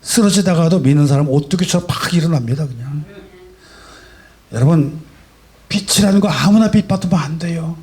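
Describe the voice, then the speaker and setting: Emphatic high-voiced male pastor preaching. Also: a little fast, pauses often, breathy edge. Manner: emphatic preaching, rhetorical questions, swings from soft to loud. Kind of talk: sermon. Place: church sanctuary.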